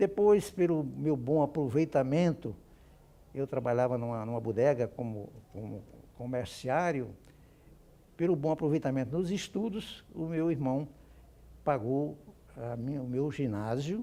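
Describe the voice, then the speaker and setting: Fairly slow, lively intonation from a man with a fairly high pitch and a dark, mellow tone, broken by long, frequent pauses. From Brazil, Paraíba interior (Cariri). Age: 80s+. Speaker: physician and writer. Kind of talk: interview.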